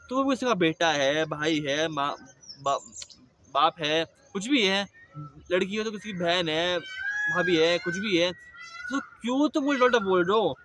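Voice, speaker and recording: A man's voice: sits high, pushed and bright, slight background noise. A man giving earnest life advice in a casual motivational talk, explaining patiently and dropping in English words.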